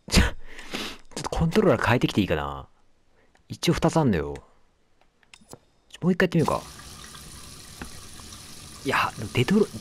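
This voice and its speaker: A man giving casual let's play commentary, chatting to the game and its characters as he plays. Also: medium pitch. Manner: chatty, talks back at the game, apologizes for noise.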